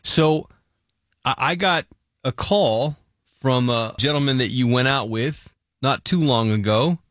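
A man hosting a radio morning show call-in segment, chatty and animated, steering the call with leading questions. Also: medium pitch, unhurried, no room sound, clean studio sound. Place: radio studio. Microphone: studio mic.

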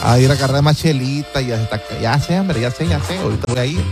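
A man's voice: medium pitch, fast talker. A man hosting an afternoon radio slot, joking around and half-singing his lines between songs. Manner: joking, sing-song, chuckling. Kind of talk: playful radio DJ banter. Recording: with loud music behind.

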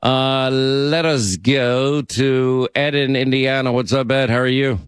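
A man's voice: medium pitch, fairly even intonation, slow, clear, resonant tone, no room sound. New guy hosting a call-in radio show, rambles a lot, dry close mic. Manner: chatty, rambling, self-interrupting. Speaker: radio talk show host. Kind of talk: casual call-in radio chat.

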